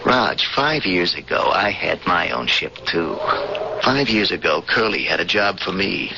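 An actor playing a worried, world-weary spaceport inspector and former pilot in a 1970s radio drama, informal, hesitant and pleading. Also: male voice, low-pitched, big pitch swings, a little slow, vocal fry, full character voice. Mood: grave, pleading. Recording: muffled, noisy 1970s radio broadcast.

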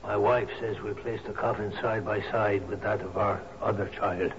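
A man's voice: on the low side, fairly even intonation, moderate pace, close to an everyday voice. An actor playing an earnest, anxious bereaved husband and father in a radio drama, polite but insistent. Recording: muffled radio broadcast with faint noise.

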